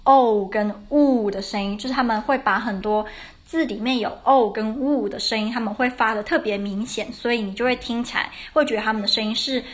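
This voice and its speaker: A woman's voice: a little high, fairly even intonation, brisk. A young woman hosts a casual podcast lesson. She explains things step by step and often corrects herself mid-sentence. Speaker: podcast host. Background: faint traditional Irish music.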